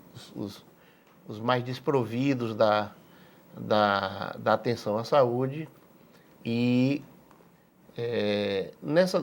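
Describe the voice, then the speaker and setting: A man in his sixties from Salvador with a Bahian accent, a physician answering interview questions in a measured, halting way, repeating words as he thinks. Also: medium pitch. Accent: Bahian Brazilian Portuguese. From Salvador, Bahia, Brazil. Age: 60s. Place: TV studio.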